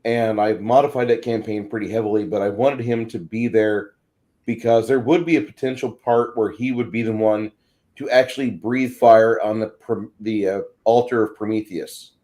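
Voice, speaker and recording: A man's voice: on the low side, fairly even intonation, normal speed, warm tone. A man speaking casually and at length as a panelist, opinionated and emphatic in the way he explains things. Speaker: panelist and game master. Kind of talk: casual discussion.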